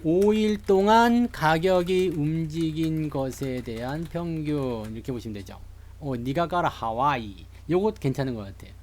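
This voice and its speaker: A Seoul stock market streamer gives a chatty, joking live lecture on stock charts and greets viewers in the live chat. His voice is fairly high, unhurried and a little mellow, with slight background noise.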